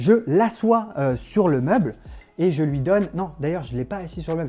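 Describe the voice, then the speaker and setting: Music runs behind the recording. A man's intonation is lively as he speaks. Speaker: tattoo artist and YouTuber. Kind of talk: casual vlog storytelling.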